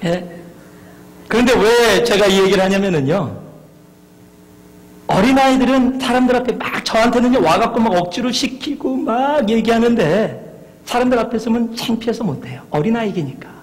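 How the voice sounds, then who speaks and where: A male pastor preaching a sermon in a church, animated and putting questions to the congregation. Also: very high-pitched, normal speed. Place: church sanctuary. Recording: long hall reverb.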